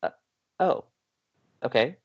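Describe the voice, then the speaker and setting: A man's voice: slow pace, dull audio, close to an everyday voice. A man playing an upbeat, playful young college radio co-host with an American accent, teasing and eager, in audio drama banter. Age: young adult.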